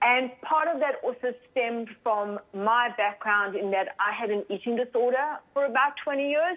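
A woman with a South African accent speaks at a fairly slow pace. Her pitch is high, with ordinary variation. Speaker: high performance coach. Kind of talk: interview.

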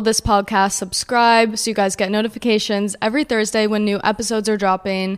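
A woman talks at a fairly quick pace in a fairly high pitch. She has an ordinary speaking voice with fairly even intonation. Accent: American. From New Jersey. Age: 20s. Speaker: podcast host. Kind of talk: casual personal monologue.

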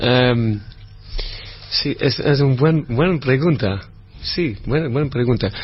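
A man at medium pitch speaks with a Dutch accent, somewhat breathy, with ordinary pitch variation and very even loudness. His pace is very slow, with long, frequent pauses. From Netherlands. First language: Dutch (speaking Spanish). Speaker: orchestra conductor. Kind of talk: radio interview. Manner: halting.

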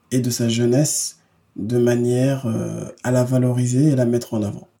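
At a fairly slow pace, a man speaks in a normal speaking voice. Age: 30s. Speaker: podcast host, trained social educator. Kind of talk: interview.

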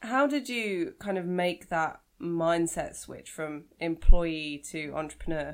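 In a British accent, a woman talks very slowly with lively intonation and hardly any pauses. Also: fairly low pitch for a woman, big swings in loudness. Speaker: podcast host. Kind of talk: interview; scripted narration.

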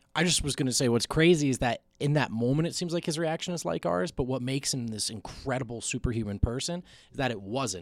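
In an ordinary speaking voice, a man with a medium pitch and an American accent talks at a fairly quick pace with lively intonation, recorded very cleanly against a silent background. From New Jersey. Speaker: basketball reporter. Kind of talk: casual chat.

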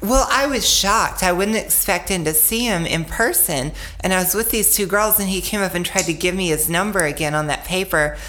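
A woman's medium-pitched voice at a fairly quick pace with hardly any pauses, ordinary pitch variation, and music in the background. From Nashville, Tennessee. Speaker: drag performer. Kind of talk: casual chat. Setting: studio.

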